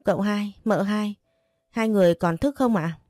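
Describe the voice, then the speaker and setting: A woman's voice: medium pitch, moderate pace, darkish tone, no room sound, studio quality, faint music behind, lightly acted. A woman reading the part of a polite older woman servant in a storybook. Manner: deferential.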